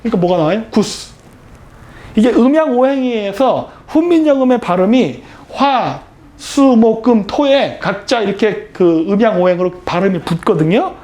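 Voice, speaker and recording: Lively lecturing man. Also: sits high, moderate pace. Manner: rhetorical questions answered himself; explanatory, emphatic. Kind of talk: history lecture.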